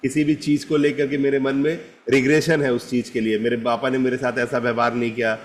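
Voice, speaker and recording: A man's voice: mid-range voice, level tone, fairly quick. A middle-aged man teaching a live group self-help session, talking directly to participants by name and often checking they follow along. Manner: direct, addresses participants by name, repeats "ठीक है ना?".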